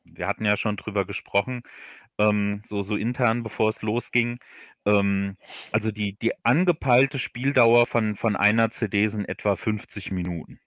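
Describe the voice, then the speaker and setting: A man chatting as an interview guest on a livestream, explaining in a halting way and often repeating words. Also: on the low side, steady tone, a bit bright, no echo, studio quality. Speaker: guest audio drama writer. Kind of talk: casual interview chat on a livestream.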